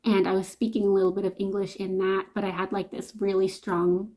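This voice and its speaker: A woman's voice: medium pitch, little pitch movement, a little fast, darkish tone. A woman with a Canadian accent talking to camera in a casual, chatty, informal vlog style. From Canada, immigrated from Slovakia at five. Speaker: vlogger, host.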